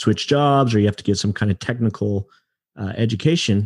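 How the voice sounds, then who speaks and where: The talk comes at a fairly quick pace in a plain, everyday voice with ordinary pitch variation, recorded with a dry, close sound with no echo against a quiet background. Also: man. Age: 40s. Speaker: achievement coach and podcast guest. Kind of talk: casual interview.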